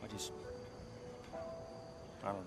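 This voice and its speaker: An actor playing a proud, wounded older racing driver in a video game cutscene, guarded and terse. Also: male voice, unhurried, over music, close to an everyday voice. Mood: bitter, defensive. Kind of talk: cinematic game dialogue.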